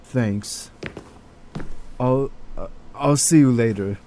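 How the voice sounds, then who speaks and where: A man's voice: medium pitch, slow, natural voice. A man acting a troubled, wrongly accused doctor in an audio drama, hesitant and earnest. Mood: troubled, subdued. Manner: hesitant, stammering, protesting. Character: distraught, indignant male doctor, wrongly accused. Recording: faint background noise.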